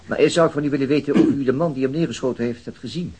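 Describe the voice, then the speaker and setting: A man's voice: mid-range voice, warm tone, husky, natural voice. Weary, understated police inspector played by a man. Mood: polite, probing. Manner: hesitant, understated, with pauses. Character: weary male police inspector, restrained, terse. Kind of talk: Dutch radio drama acting.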